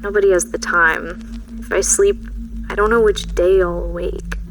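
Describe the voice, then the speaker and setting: A woman playing a haunted train passenger in an audio drama, recounting her dread in a measured, brooding, literary way with lingering pauses. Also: on the low side, steady tone, background noise, lightly acted. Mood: somber, haunted. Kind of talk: scripted audio drama monologue. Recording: music behind the voice.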